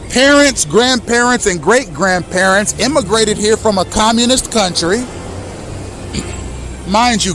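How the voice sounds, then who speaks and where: A man in his thirties with a notably high voice speaks directly to his audience in an impassioned monologue. His tone is accusatory and emphatic, and he slows down to lean hard on key words. Soft music plays faintly in the background. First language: English. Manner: accusatory, emphatic, slow deliberate stresses. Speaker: host.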